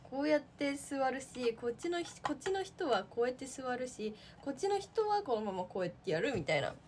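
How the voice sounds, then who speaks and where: A woman's voice: high-pitched, very animated, a little fast, darkish tone, a little hiss or hum. A young woman, an idol trainee, chatting casually on a livestream, reading out viewer comments. She is talkative and giggly and uses a lot of fillers.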